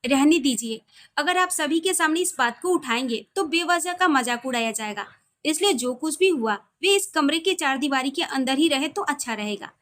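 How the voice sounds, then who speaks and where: A woman's voice: high voice, expressive, normal speed, a bit bright. A woman voicing a guarded young wife, shy but firm, in a romantic audio story.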